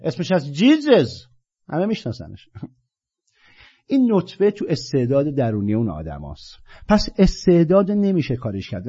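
A man giving an impassioned spiritual talk, swinging from low murmurs to loud, animated bursts. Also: husky. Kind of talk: impassioned monologue. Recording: dull lo-fi recording.

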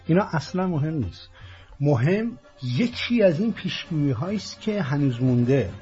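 A man from Iran with a Persian accent, hosting a political program as an emphatic, declamatory monologue in deliberate, repeated phrases. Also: fairly high pitch, big pitch swings, mellow. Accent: Persian (Iranian). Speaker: host of a political talk program. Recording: dull lo-fi audio with music underneath.

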